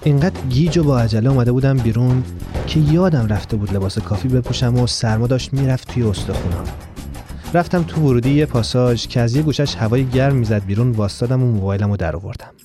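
A man narrating a first-person story in a plain, measured way on a close studio mic. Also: mid-range voice, music in the background. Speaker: audiobook narrator.

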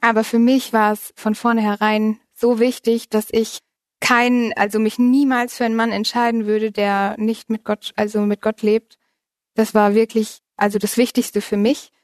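A woman's voice: fairly high pitch, little pitch movement, moderate pace, a little mellow, dry recording, clean studio sound. A woman in her early thirties from Germany, an interview guest telling a personal story in a conversational way and often laughing as she goes.

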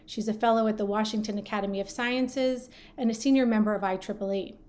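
A woman hosting an interview show, reading a guest introduction and asking questions in a measured, scripted way. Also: medium pitch, fairly even intonation, darkish tone. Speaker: podcast host.

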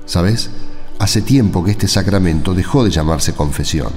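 A kindly, weary actor playing a village priest with a low male voice and an Argentine accent. He talks in a fatherly, conversational way, as in a radio play, with faint music behind. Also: normal speed, a little mellow, lightly acted. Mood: gentle, reassuring. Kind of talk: radio drama acting.

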